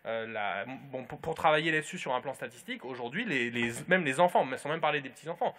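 A man's voice: mid-range voice, expressive, fast talker, fairly bright tone. A man speaking on a conference panel, thoughtful, with many restarts and fillers.

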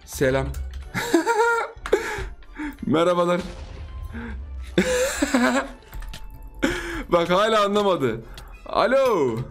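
A young man giving excitable, teasing gameplay commentary as a gaming YouTuber, laughing often. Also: high voice.

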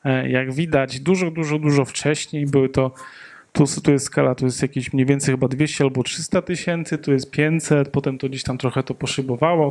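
A man's voice: medium pitch, darkish tone. A man in his thirties giving a tech meetup talk into a handheld mic in a conference room, hesitant with many fillers and joking asides. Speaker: conference speaker. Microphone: handheld microphone.

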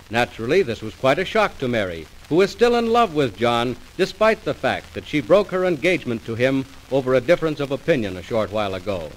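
A man announcing in old-time radio style, reading scripted ads and story recaps on a noisy old recording. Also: mid-range voice.

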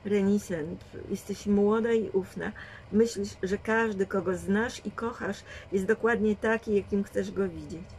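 Lady reading as a serious young guy, quiet and slow, a bit lower than her own voice. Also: steady tone, a little hiss or hum, natural voice, rough recording. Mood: grave. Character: grave, wise young man, quiet and serious.

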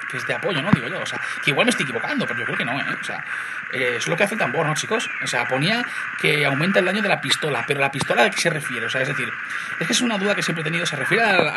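A young man from Spain talks his viewers through a match in rapid, excitable bursts. His voice sits a little high for a man, and his Spain Spanish accent comes through clearly. A loud hiss runs under the whole home microphone recording. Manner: chatty, excitable, addresses viewers as "chicos". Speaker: gaming YouTuber. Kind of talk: casual gameplay commentary. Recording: loud background noise.

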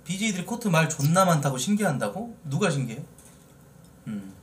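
A man's voice: fairly high pitch, big pitch swings, a little fast. A man in his thirties hosting a casual live stream, talkative and teasing, often addressing his viewers. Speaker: streamer host. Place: indoor streaming room, seated in office chair.

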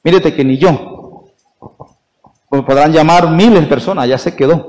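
A man's voice: fairly high pitch, normal speed, a little mellow. A man preaching a sermon at Mass as a priest, emphatic, asking the congregation questions and answering them himself. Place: church. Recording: long church reverb.

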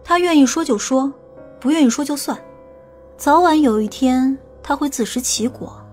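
A woman playing a stern, sharp-tongued police officer in an audiobook, commanding and scolding. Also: high-pitched, normal speed, faint music behind, natural voice. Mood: cool, stern. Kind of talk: audiobook character acting.

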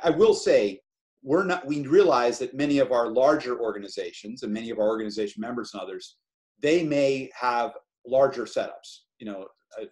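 A man's voice: mid-range voice, a little mellow. Conversational man presenting on a webinar. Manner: conversational, explanatory. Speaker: project lead presenting. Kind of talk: informal webinar presentation with slides. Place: online video call.

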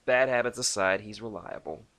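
A man's voice: fairly low pitch, moderate pace, a bit bright, no echo, natural voice. A man voicing a cocky human male mercenary leader with a brash, teasing manner.

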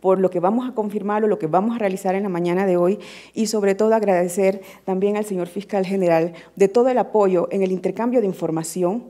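A middle-aged woman from Panama, a visiting chief prosecutor giving cordial, slightly halting official remarks at a podium microphone indoors. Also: mid-range voice, steady tone, warm tone. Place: indoor press room.

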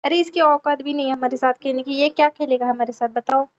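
A woman's voice: high-pitched, steady tone, fast talker. A young woman talking over in-game voice chat, bossy and dismissive toward a newcomer. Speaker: gamer girlfriend on voice chat. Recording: muffled game voice chat, faint noise.

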